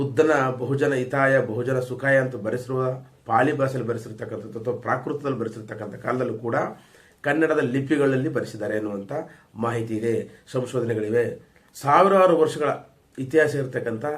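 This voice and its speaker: With audible room echo, a man speaks in a somewhat breathy voice at a medium pitch with ordinary pitch variation. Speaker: YouTube channel host, commentator. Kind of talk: opinion monologue to camera. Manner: impassioned, emphatic.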